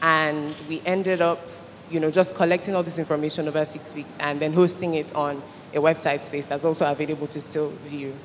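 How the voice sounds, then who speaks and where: With a Nigerian accent, a woman speaks at a fairly quick pace in a very deep, low pitch and a monotone, flat intonation, over light background noise. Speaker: artist. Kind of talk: panel discussion. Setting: stage with audience. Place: stage. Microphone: handheld.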